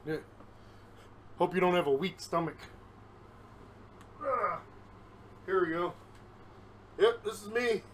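A man's voice: sits high, takes it slowly, pauses often, slight background noise. Candid man vlogging at home. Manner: rambling, candid, self-deprecating. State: a little out of breath. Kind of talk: casual solo vlog. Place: his home. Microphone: phone camera, recording himself.

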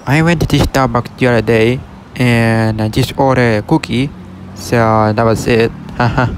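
A man's voice: mid-range voice, steady tone, measured pace. Man vlogging outside on a street. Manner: plain, simple narration with short remarks. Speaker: retail exploration vlogger. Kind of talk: casual walkthrough vlog narration. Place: outdoors on a city street by a closed shop. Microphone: handheld phone camera. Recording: faint outdoor street noise. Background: faint street and car noise.

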